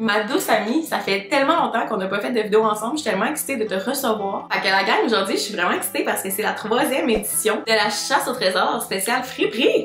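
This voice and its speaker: A woman speaks at a very fast pace with hardly any pauses. Audible room echo and faint background music surround her. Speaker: vlogger host. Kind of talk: casual vlog chat. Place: home room. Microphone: phone near.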